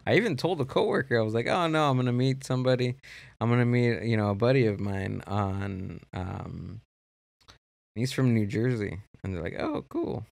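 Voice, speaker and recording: A man's voice: medium pitch, creaky, dry recording. A man hosting a casual podcast chat, rambling and restarting his sentences often in a studio. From Mexico. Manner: rambling, halting, many restarts. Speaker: podcast host.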